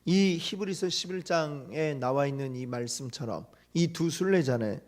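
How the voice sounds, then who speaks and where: A male pastor giving a teaching sermon in church, who often puts questions to the congregation and retells the story with lively quoted lines. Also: fairly high pitch, moderate pace. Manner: asks the congregation frequent questions.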